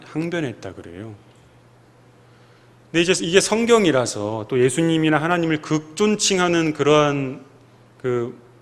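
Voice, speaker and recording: A man preaching a sermon in a long-reverb church hall, his fairly high voice swinging widely up and down. He delivers it with emphasis and acts out the lines he quotes. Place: church sanctuary.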